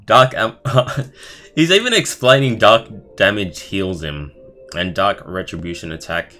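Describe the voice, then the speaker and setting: Guy streamer w low forceful voice reading stuff out, chatty asides, bit of music behind. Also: slow. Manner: expressive, swears casually, interjects asides into his reading. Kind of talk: casual livestream read-aloud with running commentary.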